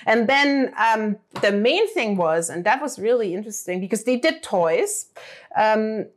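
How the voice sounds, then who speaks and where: A woman's voice: fairly high pitch, lively intonation, a little slow. A middle-aged woman whose first language is German, telling stories in a casual, chatty way, full of fillers and restarts. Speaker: interview guest. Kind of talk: casual storytelling.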